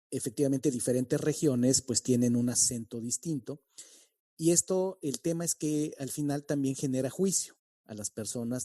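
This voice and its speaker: A man from Mexico City with a neutral Mexican accent, hosting a podcast interview and talking in a reflective, halting way with many restarts. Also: medium pitch, warm tone, no echo, clean studio sound. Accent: neutral Mexican Spanish. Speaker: podcast host.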